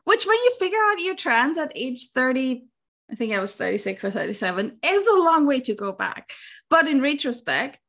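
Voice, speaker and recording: Woman guest, 40s, chatty and wry, higher voice with vocal fry. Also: very animated, moderate pace, fairly bright tone. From Austria. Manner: chatty, self-deprecating, laughs often. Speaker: podcast guest. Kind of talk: casual chat.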